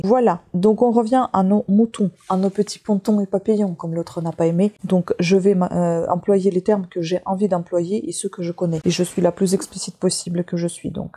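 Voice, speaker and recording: Exasperated non-native French-speaking woman, mellow. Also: lowish voice. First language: not French. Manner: frank, exasperated, many hesitations. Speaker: crochet YouTuber. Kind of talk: casual tutorial intro, venting rant.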